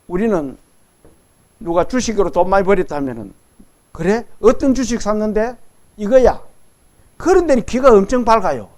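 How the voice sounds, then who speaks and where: A man's voice: sits high, a little mellow. A middle-aged man preaching a sermon as pastor, leading his congregation through Bible readings.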